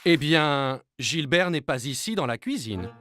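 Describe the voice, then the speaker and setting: A man's voice: fairly high pitch, animated, unhurried, music in the background. A man voicing a kindly young father in a children's cartoon. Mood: calm, kindly.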